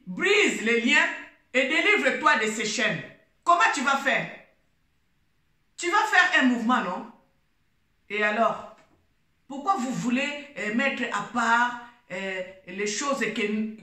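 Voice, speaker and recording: Congolese woman gospel singer, fervent preachy talk, bright forceful voice, roomy echo. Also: sits high. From Democratic Republic of the Congo. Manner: emphatic, preachy, repeats phrases, mixes French and Lingala. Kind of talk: impassioned religious exhortation.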